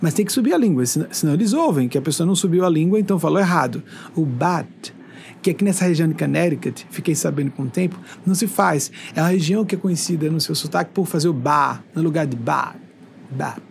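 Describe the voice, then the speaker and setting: Speaking fast with vocal fry and a pitch on the high side, a Brazilian man in his forties from the northeast addresses his viewers as a spiritual speaker. His monologue is conversational, and he brings his stories to life by performing the quoted lines. There is slight background noise.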